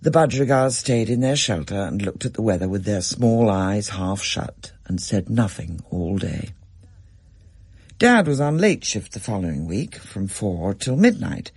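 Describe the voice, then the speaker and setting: Gravelly man telling a tale. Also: lowish voice, no room sound. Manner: expressive, measured storytelling. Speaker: storyteller. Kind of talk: scripted story narration.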